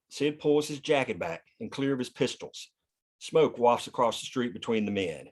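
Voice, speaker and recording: Man, narrator, screenplay table read, stage directions, medium pitch.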